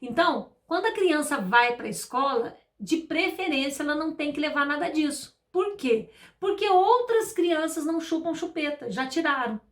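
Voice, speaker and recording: A woman educator with a Brazilian Portuguese accent gives parents emphatic advice in a high voice and hammers her main points again and again. She sounds middle-aged. Her voice rings in an echoey room. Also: lively intonation, normal speed. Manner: emphatic, repeats key points. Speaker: school educator.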